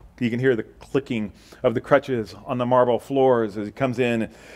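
The man here talks at a fairly quick pace. His pitch varies in an ordinary way. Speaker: preacher. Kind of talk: sermon. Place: church. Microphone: headset.

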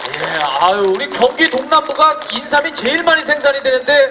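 A man uses a raised, projected voice at a moderate pace with ordinary pitch variation. Crowd noise fills the background. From Icheon, Gyeonggi, South Korea; Gyeonggi, South Korea. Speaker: comedian and event emcee; comedian, event emcee. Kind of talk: event emceeing. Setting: stage with audience. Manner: animated. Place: stage. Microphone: podium.

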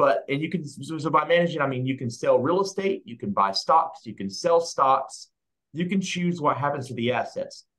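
Over a quiet background, a man with a North Carolina accent speaks at a moderate pace, his fairly high pitch carrying lively intonation. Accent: Southern US (North Carolina). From US South, North Carolina (Mount Airy). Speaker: estate planning attorney. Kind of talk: webinar presentation. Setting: video call. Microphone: webcam.

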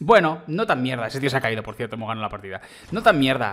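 Talking at a very fast pace with lively intonation, a man with a fairly high pitch is captured in a very clean recording with a silent background. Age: 30s. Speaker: gaming youtuber. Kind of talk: gameplay commentary. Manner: animated.

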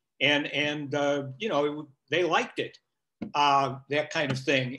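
A man with a Chicago accent speaks fairly slowly in a fairly high pitch with a bright, sharp tone against a quiet background. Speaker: retired public health worker. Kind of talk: panel debate. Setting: video call. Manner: halting. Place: home room. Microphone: video call.

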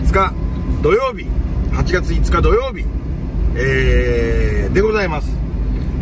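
Dry male speech without echo, set against noticeable background noise. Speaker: family vlogger. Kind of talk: casual vlog chat. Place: car. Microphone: phone near.

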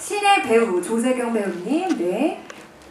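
A woman with a fairly high pitch talks at a very slow pace, her pitch swinging very widely. Audible room echo and light background noise surround her. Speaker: press event moderator. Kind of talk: formal press conference moderating. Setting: film press screening Q&A event. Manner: formal, polite. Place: hall.

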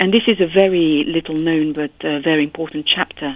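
A woman with a very deep, low pitch, a moderate pace and fairly even intonation, in a dry sound with no echo. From France, Algerian heritage. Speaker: journalist. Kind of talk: radio interview. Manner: hesitant, many fillers. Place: studio.

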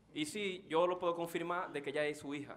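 A man talking at a fairly quick pace. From Dominican Republic. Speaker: TV producer; radio panelist. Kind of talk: casual chat. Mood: earnest, assertive. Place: studio. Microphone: studio mic.

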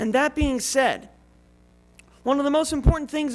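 A woman speaks loudly. The recording is very clean, with a silent background. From Bridgewater, Massachusetts, US New England. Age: 40s. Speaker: finance committee chair speaking at public comment. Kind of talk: public comment speech at town meeting. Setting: town hall meeting. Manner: impassioned, emphatic.

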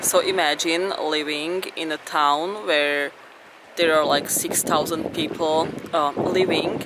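Noticeable background noise sits behind the voice. A woman speaks at a very slow pace. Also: dry sound with no echo. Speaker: travel vlogger. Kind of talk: casual vlog chat. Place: waterside. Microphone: phone near.

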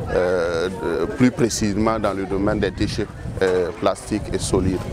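Against loud background noise, a man speaks at a fairly slow pace in a dry sound with no echo. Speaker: local council vice-president. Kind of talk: interview answer. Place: street.

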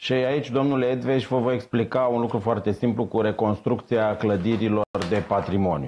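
Delivered at a moderate pace, this dark, mellow voice keeps a very even loudness and ordinary pitch variation. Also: man, medium pitch for a man. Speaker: local councillor. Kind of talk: political talk show debate. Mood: critical, argumentative. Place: studio. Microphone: lapel.

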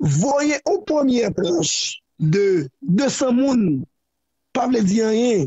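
The voice moves at a very slow pace against a quiet background. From Haiti. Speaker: youth organization leader and civil society spokesperson; guest commentator. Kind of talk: interview. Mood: calm, serious political talk. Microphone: video call.

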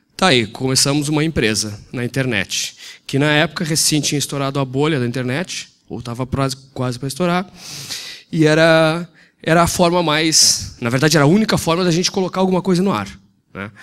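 A man talks at a fairly quick pace in a plain, everyday voice, pitched fairly high. His pitch varies in an ordinary way against a quiet background. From southern Brazil. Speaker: tech startup CTO; conference presenter. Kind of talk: conference talk. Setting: stage with audience. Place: hall.

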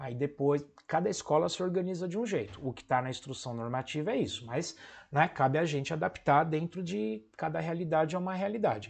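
A man talks at a fairly quick pace in a normal speaking voice. His pitch is fairly high, with lively intonation. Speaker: geography teacher and educational YouTuber; geography teacher, educational YouTuber. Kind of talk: tutorial. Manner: casual, conversational. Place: home room.

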